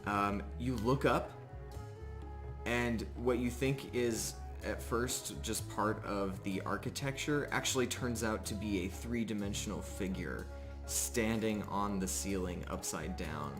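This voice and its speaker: A man with a low voice improvises narration as a tabletop game master. He speaks very slowly and haltingly, placing each phrase with care. Music plays clearly behind him.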